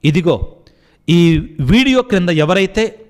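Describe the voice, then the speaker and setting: A man's voice: expressive, slow, a little mellow. A man, a Catholic priest, giving an impassioned sermon and then leading a spoken prayer. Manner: impassioned preaching, rising high on appeals.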